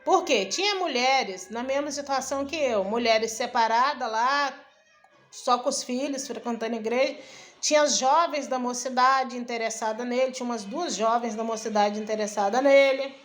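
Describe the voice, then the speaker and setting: High-voiced woman telling a church story. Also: moderate pace, faint music behind. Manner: chatty, strings events with frequent "aí"; acts out quoted dialogue in her own voice. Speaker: missionary and preacher. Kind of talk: personal testimony storytelling.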